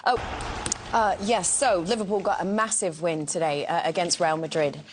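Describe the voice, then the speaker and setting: A woman's voice: fairly low pitch, steady tone, normal speed. A woman presenting a live football studio show, upbeat and joking with her co-hosts. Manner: upbeat, playful banter with co-hosts.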